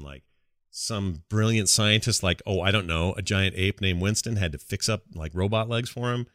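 Podcast co-host, man, middle-aged. Low, bright voice, dry close sound, slangy and animated storyteller. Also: no echo. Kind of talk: casual enthusiastic gaming chat.

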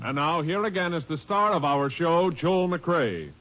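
Higher-voiced vintage radio announcer, man, over music. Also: expressive, unhurried. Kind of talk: 1950s scripted radio announcing. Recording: muffled 1950s radio recording, loud music. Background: loud music.

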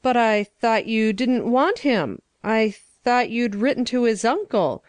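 A woman's voice: on the high side, measured pace, no room sound, lightly acted. A woman voicing a flustered middle-aged male neighbor who stammers. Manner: flourishing then stammering.

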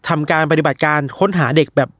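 A young man casually retelling news stories on a podcast, animated and acting out the people he quotes. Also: fairly high pitch, quick pace, no room sound, clean studio sound. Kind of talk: casual storytelling chat.

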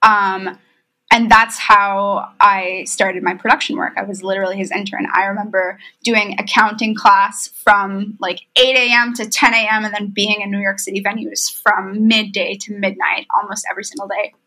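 A woman's voice: medium pitch, normal speed, poor audio. A woman in her thirties from Romania, a tour manager, telling stories as an interview guest. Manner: storytelling, quotes others with lively asides. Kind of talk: casual interview chat. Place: remote call from home.

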